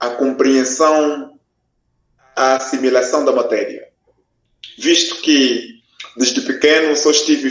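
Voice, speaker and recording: Speaking at a fairly slow pace, a man with a Kikongo accent is heard with audible room echo. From Angola. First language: Kikongo (speaking Portuguese). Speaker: poet and language teacher. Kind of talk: interview.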